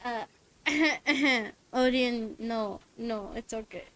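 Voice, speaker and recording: A woman's voice: a little high, drawn-out words, fairly bright tone, low-quality recording. A young woman with a South Asian accent, a native Bengali speaker, chatting casually as a game livestream host. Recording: faint background noise.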